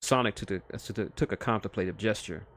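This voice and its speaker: A man's voice: fairly low pitch, brisk, a bit bright. A man reading a story aloud live as narrator, stumbling over words now and then and rereading them. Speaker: streamer reading fan fiction aloud.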